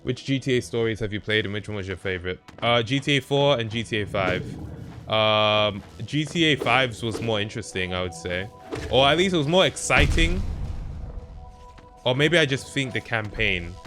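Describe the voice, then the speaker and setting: A man's voice: medium pitch, animated, moderate pace, sharp tone, soft background music. A man streaming a game with casual commentary, thinking aloud in mild slangy exclamations. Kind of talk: casual let's play commentary.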